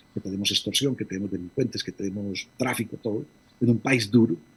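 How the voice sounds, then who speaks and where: Somewhat breathy, a man's voice rushes along very fast. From Colombia, Medellín. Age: 60s. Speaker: international consultant, former city official. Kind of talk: radio interview.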